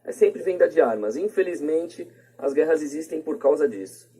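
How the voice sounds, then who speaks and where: A man's voice: a little high, expressive, normal speed, dark tone, slightly rough, rough recording. A Brazilian man giving his opinions casually as a podcast guest, in a colloquial, rambling way with frequent tag questions. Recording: plain podcast voice recording.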